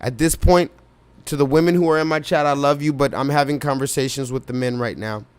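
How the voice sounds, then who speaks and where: A man's voice: medium pitch, steady tone, fairly quick, clear, resonant tone, dry recording. A man hosting a live reaction stream, reading viewer comments aloud and pressing his chat with urgent, repetitive remarks. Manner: urgent, insistent, repeats himself, addresses chat directly.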